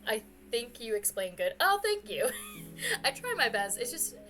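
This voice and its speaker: A woman's voice: on the high side, sing-song, a little slow, bright, forceful tone. Woman streamer chatting casually over music. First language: English. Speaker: livestream host. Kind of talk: casual game stream chat.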